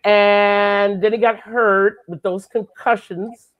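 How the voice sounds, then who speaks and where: A woman's voice: mid-range voice, steady tone, takes it slowly, highs cut off. A woman giving blunt, opinionated takes in a casual sports chat show. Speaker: segment guest commentator.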